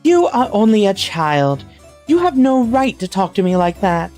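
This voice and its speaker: A woman voicing a proud spinster governess who speaks in sharp, affronted, clipped lines. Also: medium pitch, big pitch swings, normal speed, soft background music, pitched above the performer's own voice, close to an everyday voice. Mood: indignant.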